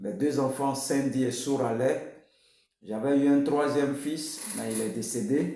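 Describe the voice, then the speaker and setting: With an Ivorian accent, a man speaks very slowly at a fairly high pitch, his dark, mellow tone showing ordinary pitch variation amid audible room echo. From Côte d'Ivoire. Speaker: prophet and preacher. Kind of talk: personal testimony and channel introduction. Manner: repetitive, emphatic.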